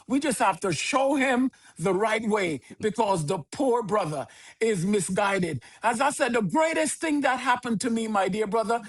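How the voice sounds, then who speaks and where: A man, a podcast guest who speaks in a measured, preaching cadence with repeated phrases. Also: very high-pitched. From Jamaica. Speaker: podcast guest, organization leader. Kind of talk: earnest conversational interview answers.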